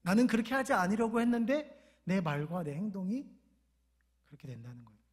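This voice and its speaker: A man's voice: high voice, lively intonation, brisk, slightly rough. A middle-aged male pastor giving a sermon in a conversational way, telling everyday family stories and asking the congregation to repeat after him. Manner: conversational preaching with everyday stories and call-and-response.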